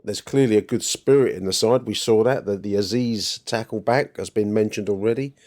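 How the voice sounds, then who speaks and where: Male podcast host, low pitch, conversational football talk, rambling, word repetitions. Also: moderate pace, a little mellow. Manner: rambling, repeats words while thinking.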